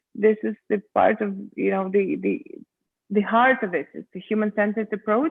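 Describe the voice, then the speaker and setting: A woman speaks with a non-native accent. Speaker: startup founder and CEO. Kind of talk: webinar Q&A. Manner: halting, many fillers and repeats.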